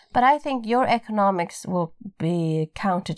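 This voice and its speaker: A woman speaks with a Swedish accent and lively intonation. The recording is very clean, with a silent background. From Sweden. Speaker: podcast host. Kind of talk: casual chat.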